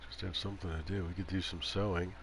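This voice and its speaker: Male game streamer, low register, nasally congested with a cold, casual commentary over clearly audible rain noise. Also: little pitch movement, quick pace, fairly bright tone. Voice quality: stuffy nose. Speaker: livestream host. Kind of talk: casual gaming livestream commentary. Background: game rain sound.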